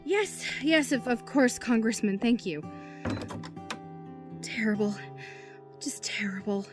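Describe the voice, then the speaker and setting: Gushing campaign manager, high voice, slow, soft music under. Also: female voice, lively intonation. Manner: gushing, nervous laughter. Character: fawning female campaign manager, flustered. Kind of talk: full-cast audio drama.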